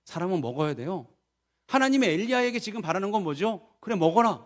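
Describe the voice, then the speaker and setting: A middle-aged man preaching a sermon as pastor, asking the congregation questions and acting out the prayers he quotes in a low, soft voice. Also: sing-song, quick pace. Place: church sanctuary. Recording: long church reverb.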